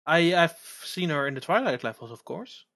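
A man's voice: a little high, normal speed. Man stumbling eagerly through game talk. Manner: animated, stumbling repetitions. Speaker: podcast co-host. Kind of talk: casual game chat.

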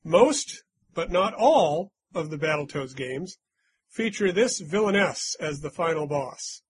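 A man hosts a laid-back game quiz on a podcast, reading out clues playfully and teasingly and humming little doot-doot jingles. His voice is fairly high and expressive, a little slow, with a bit of hiss or hum on the recording.

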